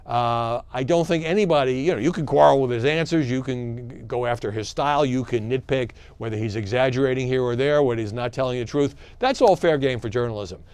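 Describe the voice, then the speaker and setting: A man giving conversational opinion commentary, halting at times and stressing key words. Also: medium pitch, a little mellow, smooth, no echo. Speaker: media commentator.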